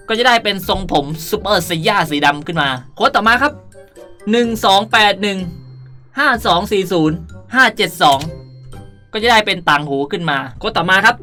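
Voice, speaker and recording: A young man talks through a casual gaming tutorial in a bright, forward voice. He is playful and animated, ending sentences in a cute, polite way. Music plays behind him. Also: high-pitched, normal speed. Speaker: gaming video host. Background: background music.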